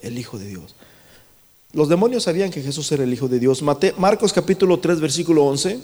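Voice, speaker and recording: A male preacher giving a fervent sermon, dropping to a hush and then rising loud. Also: on the high side, fast talker. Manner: swings from hushed to loud, fervent. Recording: echoey hall with long reverb.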